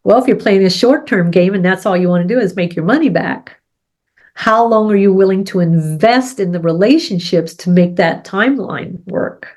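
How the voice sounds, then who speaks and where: With a darkish tone and mid-range voice at a normal speed, a co-host with a head cold talks through a casual business chat. The middle-aged woman frequently asks "right?" and grounds her explanations in examples from sports and farming.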